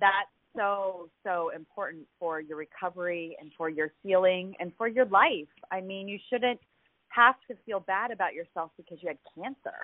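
A woman with an American accent speaks in an ordinary speaking voice at a medium pitch. Her pitch varies in an ordinary way, while her loudness swings widely. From Ohio, US Midwest. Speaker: lingerie brand founder and fashion designer. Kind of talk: interview.

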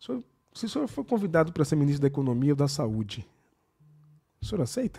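Very fast and somewhat breathy, a man speaks at a fairly high pitch in a dark, mellow tone with very wide pitch swings. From São Paulo city, Brazil. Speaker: pastor and podcast co-host. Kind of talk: interview.

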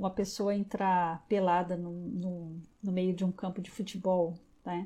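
The voice has a dark, mellow tone, somewhat breathy, moving at a fairly slow pace with fairly even intonation on a very clean recording with a silent background. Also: woman. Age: 50s. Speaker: psychologist. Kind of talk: live stream reflection. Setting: live video stream. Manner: halting.

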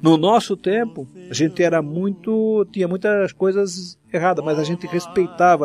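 A high-pitched man at a moderate pace, with music in the background. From Blumenau, Santa Catarina, Brazil. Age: 60s. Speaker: podcast guest, host's father. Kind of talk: casual chat.

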